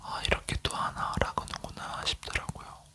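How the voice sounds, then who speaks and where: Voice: moderate pace, bright, forceful tone. An ASMR creator from South Korea leaning in to whisper, chatting casually as they tell a travel story.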